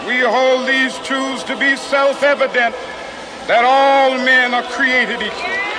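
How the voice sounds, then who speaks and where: In a raised, projected voice with an American accent, a man speaks at a fairly slow pace and an extremely high pitch over noticeable background noise. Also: fairly even intonation. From United States. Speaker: civil rights activist and Baptist minister. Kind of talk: historic public speech to a crowd. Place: stage. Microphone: old recording.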